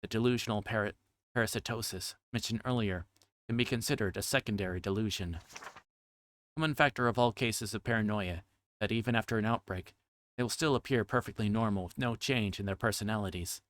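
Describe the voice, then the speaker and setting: Low-voiced man reading aloud, close and dry. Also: fairly quick, fairly bright tone, no echo. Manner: stumbles over difficult words. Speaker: livestreamer. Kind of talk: reading visual novel text aloud on a livestream.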